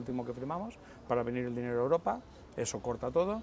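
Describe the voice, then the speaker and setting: The man's pitch is medium. He rattles along very fast. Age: 60s. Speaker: car company founder. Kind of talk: interview.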